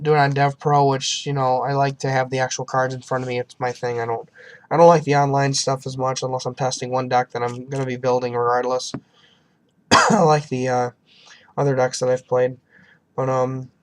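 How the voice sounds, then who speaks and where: A young man with a hoarse voice from a sinus infection, casually walking through a card game deck at his desk, rambling with lots of ums and coughs. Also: mid-range voice. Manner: rambling, self-deprecating, frequent ums and coughs. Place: at a desk at home, indoors.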